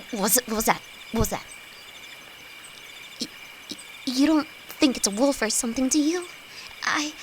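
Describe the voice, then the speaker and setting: A woman's voice: high-pitched, a bit bright, a little hiss or hum, heavily acted. A woman playing a timid young apprentice alchemist in an intimate audio roleplay, with nervous, hesitant, stammering delivery and frequent sighs. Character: timid young female apprentice alchemist, easily frightened, sweet best friend. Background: crickets and night forest sounds.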